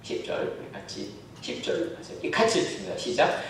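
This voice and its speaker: A man's voice: moderate pace, crowd noise. A man preaching a sermon to his congregation, often asking them questions. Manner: asks the congregation questions, animated. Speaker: pastor. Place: church sanctuary. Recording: very echoey hall, mic far off, faint rumble.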